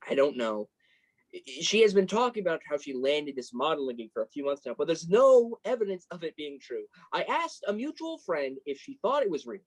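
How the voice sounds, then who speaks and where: A man's voice: on the high side, very animated, a little fast, low-quality recording. A man playing a sensitive, embarrassed college freshman in a play reading, guarded and dryly self-deprecating. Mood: troubled, explaining. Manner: self-deprecating, dry sarcasm. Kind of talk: staged reading of a play, naturalistic dialogue.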